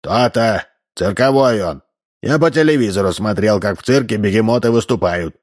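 A man reading an audiobook, voicing a pedantic old neighbour who lectures slowly. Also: lowish voice, darkish tone, natural voice. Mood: lecturing.

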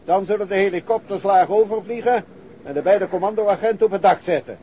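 Male actor, radio drama police chief, high-pitched, official phrasing, self-assured, faint noise behind. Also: fairly quick, warm tone, natural voice. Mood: confident. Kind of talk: Dutch radio drama acting.

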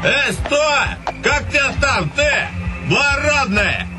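A brutish drunken stormtrooper in a radio play. The voice is hoarse, very high and drawn out, hostile, with music underneath. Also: male voice, lively intonation, takes it slowly, full character voice. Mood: belligerent roaring. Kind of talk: radio drama acting.

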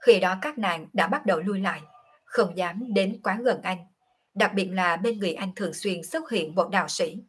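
A woman voicing a calm young woman who confides in her lover, in an audiobook reading. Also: medium pitch, normal speed, husky, natural voice. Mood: confiding.

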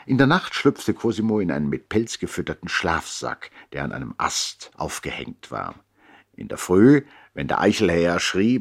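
A reflective man telling his brother's life story in a radio drama. The voice is very low and somewhat husky. The delivery is measured and literary, with wide, expressive swings in intonation. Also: full character voice. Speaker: narrator. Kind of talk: literary radio play narration.

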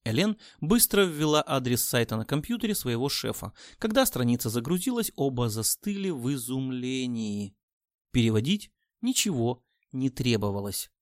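A man's voice: medium pitch, big pitch swings, normal speed, no room sound, studio quality. Man reading a dramatic audiobook. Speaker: audiobook narrator. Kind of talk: expressive scripted narration.

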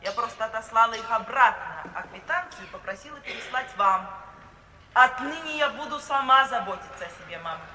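An actress playing a resolute, independent young daughter in a 1950s radio play, brisk, firm and formal. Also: female voice, a little high, animated, pushed and bright. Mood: cold, resolute. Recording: echoey, distant old radio recording, hiss.

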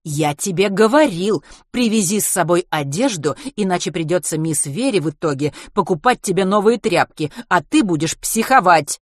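A narrator voicing a lanky, smug manservant who speaks loud and teasing, pitched higher. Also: male voice, expressive, moderate pace, no echo, clean studio sound. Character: lanky, smug male servant.

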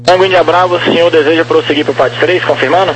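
A man's voice: fairly high pitch, steady tone, quick pace. A man giving procedural air traffic control instructions over aviation radio. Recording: noisy radio with mains hum.

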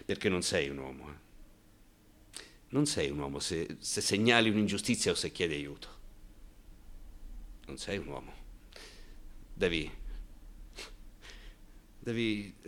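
An actor playing a bitter, wounded gay man in a colloquial, impassioned radio monologue, halting, repeating words and asking sarcastic rhetorical questions. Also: medium pitch, sharp tone. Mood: bitter, brooding. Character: bitter, wounded gay man denouncing macho military cruelty.

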